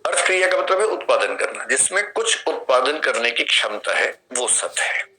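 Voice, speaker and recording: A man's voice: mid-range voice, big pitch swings, normal speed, noisy background. A man in his fifties with an Indian accent, giving a classroom lecture and explaining through questions and vivid examples. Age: 50s. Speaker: philosophy teacher.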